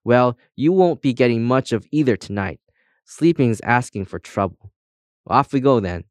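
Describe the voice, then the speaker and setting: A man's voice: mid-range voice, animated, moderate pace, darkish tone, no echo, clean studio sound, lightly acted. A man voicing a chatty, cheerful female compass in a children's audiobook, with breezy, boastful colloquial talk. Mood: brisk, warning.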